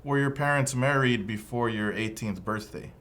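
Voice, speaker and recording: A man voicing an immigration officer running an interview. He asks one formal question after another in a neutral, even manner, at a mid pitch for a man. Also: moderate pace, natural voice. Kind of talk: scripted practice dialogue.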